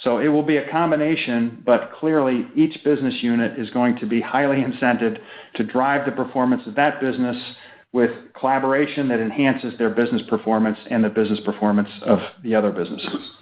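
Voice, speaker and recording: A man speaking as a senior executive in an unscripted business Q&A, deliberate and emphatic, repeating words as he goes. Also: mid-range voice, fairly even intonation. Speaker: senior company executive on earnings call. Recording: echoey room over phone-like line.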